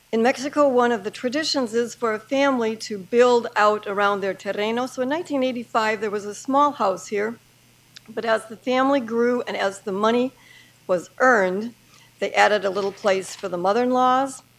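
Medium speed with normal rise and fall in pitch. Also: woman. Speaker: presenter. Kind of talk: presentation talk. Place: hall.

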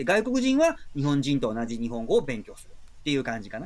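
A man talks at a fairly quick pace. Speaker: Japanese language teacher. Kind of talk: demo language lesson.

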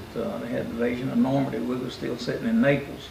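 Speaking with a Southern US accent, a man is heard with audible room echo and light background noise. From South Carolina (Newberry County); South Carolina. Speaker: war veteran. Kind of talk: oral history interview. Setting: library. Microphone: camera far.

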